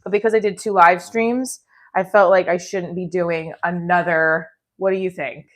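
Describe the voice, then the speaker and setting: A middle-aged woman, comedy creator and performer, hosts a live stream from home in a fairly low, steady voice at normal speed. She sounds stuffy-nosed and congested, chatting in a rambling, blunt, candid way. Her home recording is clearly noisy and has clicks.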